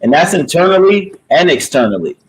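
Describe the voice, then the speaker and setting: A man's voice: a little high, big pitch swings, fairly quick, slight background noise, rough recording. A man talking casually as a boxing promoter, upbeat and urging, with a motivational streak.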